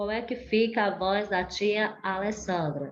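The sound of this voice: A woman's nasal, put-on character voice at medium pitch, with ordinary pitch variation and a moderate pace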